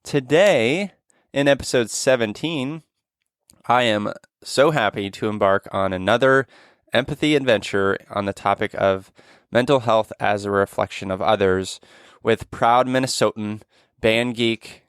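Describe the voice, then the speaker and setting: A man hosting a podcast about mental health, talking in an earnest, gentle way with frequent restarts and fillers. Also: fairly low pitch, unhurried, smooth, dry recording, clean studio sound. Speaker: podcast host. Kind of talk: casual podcast chat.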